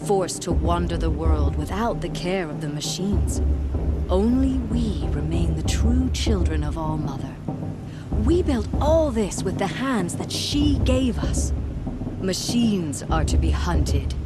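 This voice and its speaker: An actress playing an old, devout tribal matriarch who tells legends in a solemn, theatrical way for a video game. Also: female voice, lowish voice. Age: older. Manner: slow, theatrical, reverent storytelling. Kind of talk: dramatic storytelling in a video game. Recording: loud music bed behind the voice.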